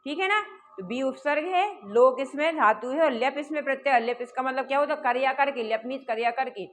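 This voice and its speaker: A woman's voice: high-pitched, a little fast, a bit bright, a little hiss or hum. A woman teaching a Sanskrit textbook chapter, explaining word by word and asking and answering her own questions.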